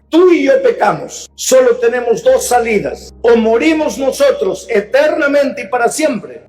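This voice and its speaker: A pastor preaching a sermon, moving from hushed tender pleading to shouted exhortation and acting out short dialogues in his own voice. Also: very high voice. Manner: acts out dialogues between characters in his own voice.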